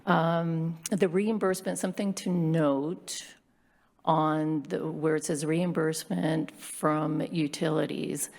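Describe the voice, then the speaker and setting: Hoarse low-voiced woman presenting a budget. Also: steady tone, takes it slowly, darkish tone. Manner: explanatory, plain-spoken with frequent fillers. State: hoarse from bronchitis. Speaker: city finance staff presenting budget. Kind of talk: budget presentation at council meeting. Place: city council chamber.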